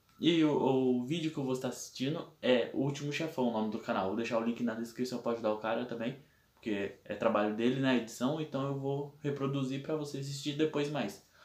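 A man talks at a fairly quick pace with hardly any pauses and fairly even intonation. Audible room echo surrounds his voice. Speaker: youtuber. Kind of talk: casual reaction vlog chat. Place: home room. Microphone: earbuds.

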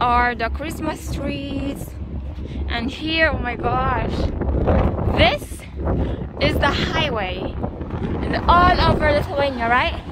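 Loud background noise surrounds a woman speaking at a very slow pace. Her voice sounds dry, with no echo. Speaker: vlogger. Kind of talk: casual vlog chat.

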